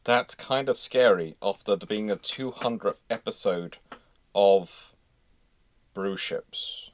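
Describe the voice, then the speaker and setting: A man's voice: fairly low pitch, slow pace, dry recording. A man hosting a casual livestream, chatting in a rambling way as he thinks aloud. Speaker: host of a naval history livestream.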